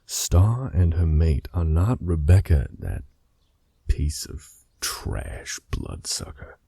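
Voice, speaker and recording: Brief: male actor as a gravelly, dark-voiced werewolf alpha, slow and commanding. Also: rumbling low, very animated, dry recording, heavily acted. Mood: stern. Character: male werewolf pack leader, protective and stern. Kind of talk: fan audio drama acting.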